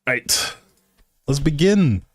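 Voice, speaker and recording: A man's voice: a little high, lively intonation, extremely slow, dry recording. A man hosting a casual game livestream, talking to his viewers with playful, teasing informal banter.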